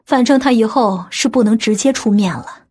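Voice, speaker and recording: A woman's voice: a little high, moderate pace, darkish tone, breathy edge. A woman playing a stern, principled middle-aged aunt in an audiobook, blunt and skeptical. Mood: matter-of-fact. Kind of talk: audiobook character acting.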